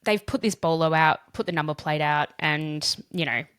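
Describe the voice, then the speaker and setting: A woman's voice: low voice, moderate pace, clean tone, dry recording, clean studio sound. An Australian woman co-hosting a casual true-crime podcast, asking questions and recounting events chattily. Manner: chatty and questioning, storytelling in a relaxed way. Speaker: podcast co-host.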